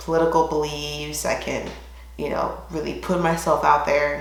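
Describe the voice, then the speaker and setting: Talking fairly slowly, a woman is heard through audible room echo and noticeable background noise. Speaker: therapist and spiritual coach. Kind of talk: casual vlog monologue. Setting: home video recording to camera. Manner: halting, backtracks, many ums and likes.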